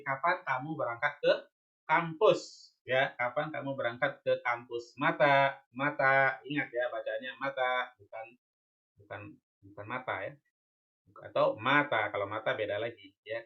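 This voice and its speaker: A male teacher with a bright, slightly high voice runs an online lesson over shared slides. He is patient and goes over each point again, checking in with "ya?" and "oke?". The sound is dull and lo-fi, like a computer mic on a call. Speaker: Arabic teacher.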